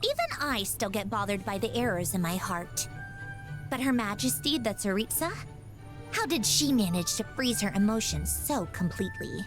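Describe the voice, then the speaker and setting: A woman's voice: mid-range voice, expressive, normal speed, natural voice. An actress playing a proud young woman inventor in a video game, haughty and sardonic yet composed. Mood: reflective. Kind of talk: video game character voice lines. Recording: background music.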